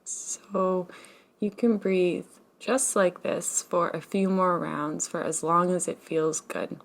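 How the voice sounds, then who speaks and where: A woman leading a guided meditation as a teacher, speaking in a gentle, soothing, unhurried manner with long pauses. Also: on the low side, fairly even intonation, gravelly.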